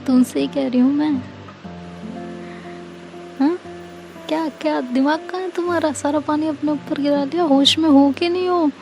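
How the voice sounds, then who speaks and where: A woman's voice: sits high, steady tone, normal speed, pauses often, darkish tone, muffled recording, soft background music, voice pushed up. A woman voicing a young woman in love who teases, blushes and pleads, mixing English phrases into her speech. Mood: scolding. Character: young woman, teasing and shy lover, later apologetic.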